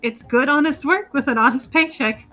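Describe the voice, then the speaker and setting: A woman's voice: moderate pace, sharp tone, soft background music. Folksy bear boss, read by a woman. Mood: folksy, salesy. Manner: friendly sales-pitch read with giggles.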